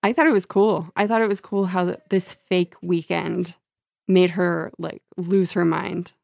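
A woman with a gravelly, husky, tired voice, casually discussing books in blunt, slangy, sweary language. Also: on the low side, steady tone, measured pace, darkish tone, no room sound, clean studio sound. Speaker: book discussion show co-host.

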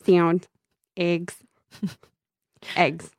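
Speaking extremely slowly in a flat, fairly low voice, a woman co-hosts a podcast with studio-quality, echo-free sound. She has a slight Midwestern accent, laughs a lot in the casual chat, plays with word sounds, and a faint whistle comes from her braces.

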